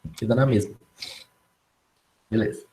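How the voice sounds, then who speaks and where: A man's voice: mid-range voice, fairly even intonation, a little slow, mellow, breathy edge. A man with a Brazilian Portuguese accent teaching a live online physics class, casual and constantly checking in with his students.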